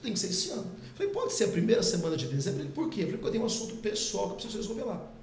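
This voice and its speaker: A middle-aged man, a podcast guest, telling a personal testimony in a lively way and acting out the dialogue. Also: sits high, rapid-fire, slight background noise. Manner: lively, acts out quoted dialogue. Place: podcast studio. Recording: echoey room.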